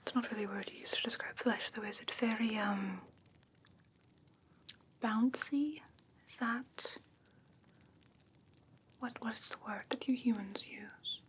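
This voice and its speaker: A woman playing a curious, haughty fae creature in an ASMR fantasy roleplay, whispering softly in a hesitant, musing, gently condescending way. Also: a little high, fairly even intonation, unhurried, long pauses, a little hiss or hum. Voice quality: soft breathy whisper.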